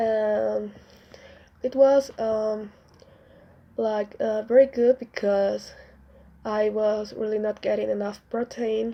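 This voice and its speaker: At a very slow pace, a woman with a non-native accent speaks with long, frequent pauses. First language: not English. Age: 20s. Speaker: fitness client giving testimonial. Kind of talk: testimony. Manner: halting, many fillers.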